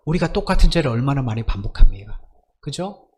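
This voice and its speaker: A male pastor delivers a Sunday sermon at a medium pitch. He stresses key points with emphasis and keeps turning to the congregation with rhetorical questions. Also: big pitch swings, quick pace, a little mellow, slight background noise.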